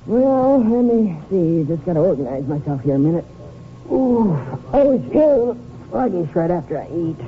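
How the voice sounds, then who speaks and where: A woman's voice: lowish voice, sing-song, moderate pace. An actress playing a folksy, rambling small-town Texan woman ticket clerk in a 1950s radio drama. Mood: musing, dithering. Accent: rural Texan. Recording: muffled, noisy 1950s radio recording.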